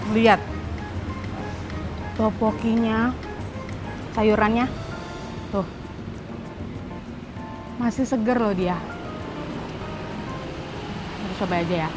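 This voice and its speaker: A woman's voice: on the high side, takes it slowly, pauses often. A young Indonesian woman hosts a casual food vlog, chatting in slang as she interviews a cook and tastes the dishes outdoors. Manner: chatty, slangy, lots of agreeing murmurs. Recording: music playing behind.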